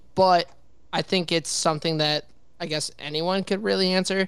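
The pace of speaking is moderate. Behind it lies a silent background in a very clean recording. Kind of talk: casual chat.

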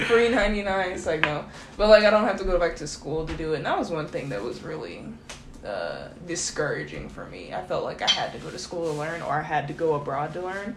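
Against noticeable background noise, a woman with a fairly low pitch talks at a fairly quick pace. Her intonation is lively and her loudness swings widely. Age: 20s. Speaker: beginner language learner. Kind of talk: casual chat.

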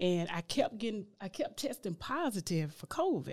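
A woman with a Southern US accent talks at a moderate pace with a fairly high pitch and very wide pitch swings, in a very clean recording with a silent background. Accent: Southern US (Georgia). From Columbus, Georgia, US South. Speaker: sheriff's office clerk and gospel vlogger. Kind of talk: casual chat. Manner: relaxing.

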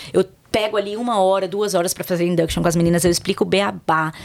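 A normal speaking voice, fairly even in intonation, at a fairly quick pace. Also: woman. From Minas Gerais, Brazil (Barbacena). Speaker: cleaning company manager, former lawyer. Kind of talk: casual interview.

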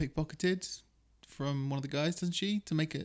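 Speaking in a normal speaking voice, a man keeps a moderate pace and ordinary pitch variation. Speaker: game master and podcast co-host. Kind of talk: casual chat, recorded podcast banter.

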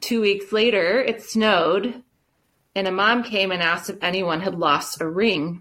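A woman talks at a fairly slow pace with a medium pitch and ordinary pitch variation. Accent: Michigan. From Michigan.

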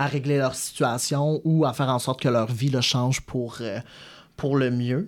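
A man of medium pitch speaks at a fairly slow pace, with fairly even intonation and very even loudness. He has a plain, everyday voice, recorded very cleanly against a silent background. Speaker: family lawyer. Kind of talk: interview.

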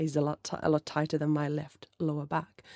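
A woman's very deep, low pitch with a Finnish accent, dry and close with no echo, in a very clean recording over a silent background. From Finland. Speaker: personal trainer and podcast host. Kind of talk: casual solo chat. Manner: calm; expressive.

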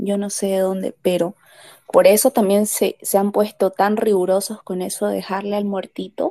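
In a dry, close sound with no echo, a woman speaks at medium pitch with a dark, mellow tone. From Cochabamba, Bolivia. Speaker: participant sharing stories. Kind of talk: personal storytelling.

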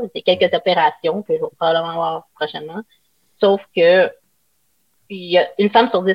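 A woman talks at a moderate pace, with big swings in loudness. She leaves long, frequent pauses. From Quebec, Lac-Saint-Jean / Saguenay. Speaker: metal singer and voice actor. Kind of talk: casual chat.

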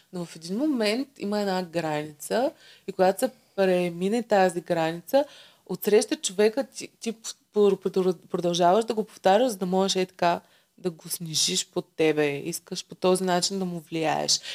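A woman with a plain, everyday voice speaks at a fairly slow pace with a medium pitch and ordinary pitch variation. Her loudness swings widely, and the sound is dry and close with no echo. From Bulgaria, Karnobat. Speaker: reality show contestant. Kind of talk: casual interview.

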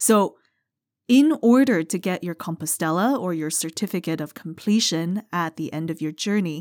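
In a very clean recording with a silent background and a dry, close sound with no echo, a woman uses a normal speaking voice at a moderate pace with lively intonation. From United States. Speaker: podcast host. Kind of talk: casual podcast chat.

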